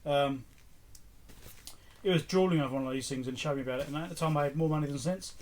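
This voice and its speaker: A middle-aged man hosts an electronics repair video as a casual, unscripted show-and-tell, chatting and rambling. His voice is fairly high-pitched and darkish, he talks fast, and clear background noise with clicks runs through the recording.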